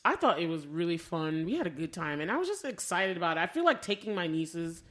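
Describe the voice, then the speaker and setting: A woman's voice: lowish voice, big pitch swings, fast, fairly bright tone. An American woman co-hosting a podcast, telling stories casually in a chatty, enthusiastic and emphatic way. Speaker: podcast co-host. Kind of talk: casual chat, storytelling.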